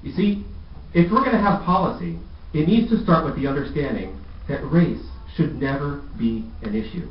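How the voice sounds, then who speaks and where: A man's voice: a little high, animated, normal speed, slight background noise. A man making a persuasive speech at a press conference, putting questions to the audience. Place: press club room. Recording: echoey room, distant mic, dull lo-fi.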